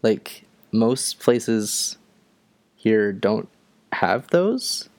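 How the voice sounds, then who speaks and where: A young man from Ontario co-hosting a podcast, chatting casually in a halting way with many fillers. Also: fairly low pitch, big pitch swings, a little mellow, dry recording. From Ontario, Canada. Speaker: podcast co-host. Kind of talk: casual chat.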